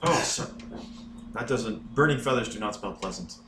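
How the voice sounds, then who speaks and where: A man's voice: on the low side, animated, normal speed. A man chatting casually as a player in a tabletop game. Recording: echoey room, clear background noise.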